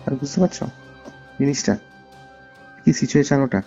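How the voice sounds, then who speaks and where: A man from West Bengal, India, with a Bengali accent calls in to tell a personal story in a conversational way, earnestly repeating phrases for emphasis. His mid-range voice is animated, gravelly, husky and dark in tone, at a moderate pace. The call is a dull lo-fi recording with music playing behind it.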